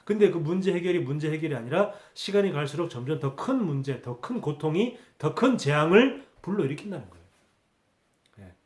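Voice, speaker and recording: A man's voice: a little high, lively intonation, fairly quick, a little mellow, echoey room. A man preaching a Sunday sermon as pastor, asking rhetorical questions and repeating key words for emphasis. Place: church sanctuary.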